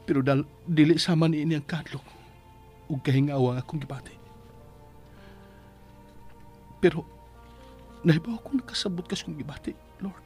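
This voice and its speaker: A man's voice: fairly high pitch, fast, darkish tone, faint music behind, lightly acted. A Bisaya Filipino man playing an anguished priest who prays with pleading, reverent emotion in a radio drama. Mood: anxious, prayerful. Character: anguished priest praying for his sick mother. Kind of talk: Bisaya radio drama acting, prayer monologue.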